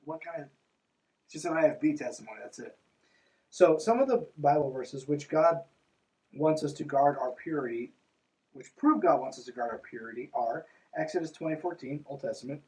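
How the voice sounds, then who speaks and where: A man's voice: on the high side, warm tone, distant mic, low-quality recording. A man hosting a podcast, reading aloud and breaking in with mocking, irreverent, conversational asides. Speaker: podcast host.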